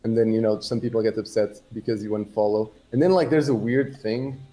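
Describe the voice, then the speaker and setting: A man from Portugal chatting casually as a livestream guest, halting and rambling but blunt in how he talks. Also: on the low side, fairly even intonation, dark tone.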